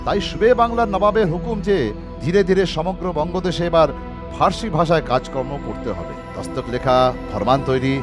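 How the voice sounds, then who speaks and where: A man's voice: fairly high pitch, expressive, fairly quick, natural voice. A man voicing a stately king who speaks formally and declaratively to his court in a cartoon. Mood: stately, commanding. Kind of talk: cartoon voice acting. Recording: music behind the voice.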